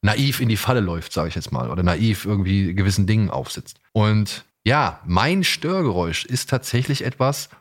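A man's voice: lowish voice, lively intonation, moderate pace, few pauses. A man hosting a podcast in a casual, colloquial chat, sometimes acting out imagined quotes. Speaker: podcast host.

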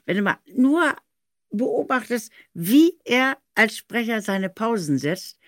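An older woman recalling studio work in an animated, anecdotal way, with emphatic stress on key words. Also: on the high side, slow, no room sound. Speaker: audio drama director recalling studio work.

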